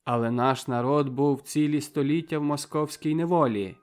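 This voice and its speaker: A man's voice: fairly high pitch, unhurried, soft background music, natural voice. A man voicing a fiery young soldier prisoner. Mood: defiant pleading. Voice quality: sharp, impassioned. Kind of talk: audiobook character voice.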